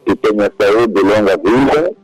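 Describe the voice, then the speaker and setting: A man's voice: on the low side, animated, unhurried, dry recording, soft background music, rough recording. A man calling in to a radio show. He banters casually and uses slang. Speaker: radio caller.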